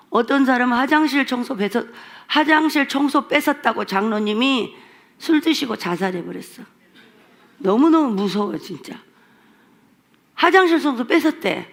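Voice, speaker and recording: A woman's voice: a little high, gravelly. A woman pastor with a Jeolla accent preaching a revival sermon in an emphatic, repetitive, scolding manner. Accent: Jeolla Korean.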